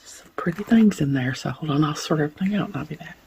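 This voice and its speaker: A woman, hoarse from a cold, showing and describing beads in a casual unboxing vlog. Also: low voice, fast, background noise. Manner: soft-spoken, drops to whispers at times. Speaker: bead unboxing vlogger. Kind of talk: casual show-and-tell unboxing.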